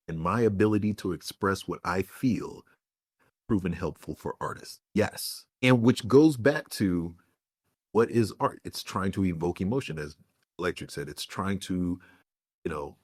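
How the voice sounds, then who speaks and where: A man with a very deep voice co-hosts a casual podcast. He talks in a relaxed, storytelling way and often quotes other people. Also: unhurried, slightly rough, no echo, clean studio sound. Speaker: podcast co-host. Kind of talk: casual chat.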